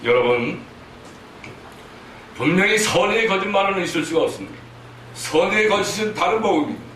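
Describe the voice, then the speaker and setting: Male missionary preacher, sermon delivery, earnest and emphatic, slightly high voice, picked up from a distance in a very echoey church hall. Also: big pitch swings, moderate pace, a bit bright. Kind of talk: sermon at a prayer meeting. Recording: echoey hall from far off, faint noise.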